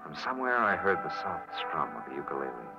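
A man playing a wry, world-weary private detective in a 1940s radio drama, speaking in terse, measured phrases. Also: rumbling low, big pitch swings, exaggerated voice. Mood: wistful narrating. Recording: muffled vintage radio recording, faint music.

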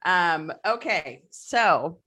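A woman's voice: lowish voice, animated, extremely slow, bright, forceful tone. A woman hosting a podcast, chatty and upbeat, laughing easily with her guest. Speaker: podcast host. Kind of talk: casual podcast chat.

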